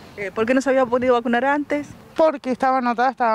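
A woman's voice in a dry sound with no echo. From Argentina. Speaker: reporter. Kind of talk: news interview. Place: open country. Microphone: handheld.

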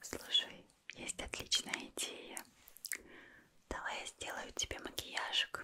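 Someone whispers at a very slow pace. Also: woman. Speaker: ASMR creator. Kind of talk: ASMR makeup role play. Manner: whispered. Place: home room.

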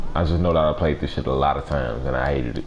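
A man's voice amid noticeable background noise. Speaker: gaming youtuber. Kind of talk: casual gameplay commentary. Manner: animated, joking.

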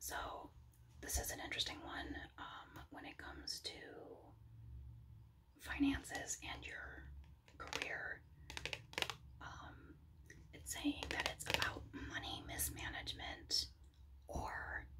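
Whispering at a very slow pace, a woman leaves long, frequent pauses and swings widely in loudness. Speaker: ASMR tarot reader. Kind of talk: whispered tarot reading. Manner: whispered, soft-spoken. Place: home room. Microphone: phone near.

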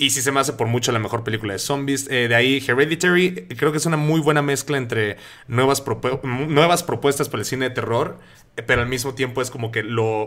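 Speaking at a fairly quick pace in a Mexican accent, a man uses a medium pitch with ordinary pitch variation. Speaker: guest on podcast, TV show host. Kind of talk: casual chat. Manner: halting.

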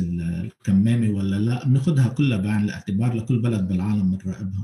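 A man with a dark, mellow tone and a somewhat breathy voice talks at a fairly quick pace with ordinary pitch variation, and the room echo is audible. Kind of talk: lecture. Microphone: webcam.

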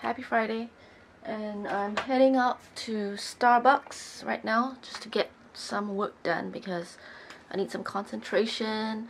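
The speech moves at a very slow pace. Light background noise can be heard. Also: woman. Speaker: vlogger. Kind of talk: casual vlog chat. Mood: relaxed, cheerful.

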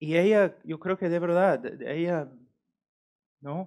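Talking at a very slow pace with an English accent, a man uses a fairly high pitch and ordinary pitch variation on a very clean recording with a silent background. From US Midwest, Illinois. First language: English (speaking Spanish). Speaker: preacher. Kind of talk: sermon.

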